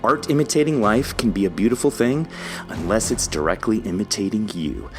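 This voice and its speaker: A man's voice: fairly low pitch, a little fast, soft background music. A man hosting a podcast interview in a casual, joking, enthusiastic way, with some easy swearing. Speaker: podcast host interviewing a guest.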